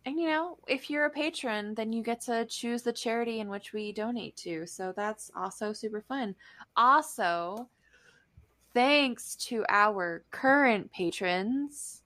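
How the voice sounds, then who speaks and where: A woman's voice: fairly high pitch, normal speed, bright, forceful tone. A woman co-hosting a podcast in casual chat, with an informal, playful way of talking. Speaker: podcast co-host.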